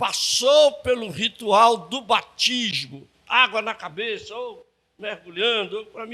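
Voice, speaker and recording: Using a raised, projected voice, a man speaks at a very slow pace with an extremely high pitch and a bright, sharp tone. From Brazil, Taguatinga (Federal District). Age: 60s. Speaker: pastor. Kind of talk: bible study lecture. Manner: conversational.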